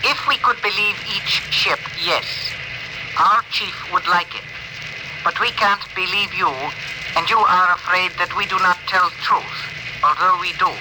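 An actor playing a gentle alien ship's communicator who speaks in stiff, oddly formal phrases, in a 1950s radio drama. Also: male voice, sits high, fairly even intonation, unhurried. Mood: solemn. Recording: hissy old radio broadcast.

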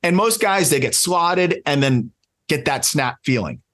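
A man's voice: fairly high pitch, lively intonation, unhurried, a bit bright. A man co-hosting a podcast, talking animatedly in casual chat, often laughing and restarting his sentences. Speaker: podcast co-host, prospect analyst.

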